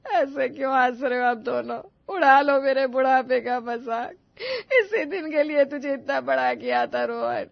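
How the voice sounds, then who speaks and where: Whiny, gravelly old mother-in-law. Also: high-pitched, moderate pace, no echo, muffled recording. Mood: wailing. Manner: wailing, melodramatic, prone to tearful complaints. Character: whiny elderly mother-in-law, dramatic complainer. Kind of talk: animated story voice acting.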